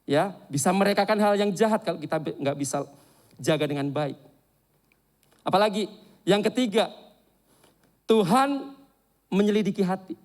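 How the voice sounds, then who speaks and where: A man preaching a sermon and telling a candid personal story in an animated, confessional way. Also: sits high, moderate pace, long pauses.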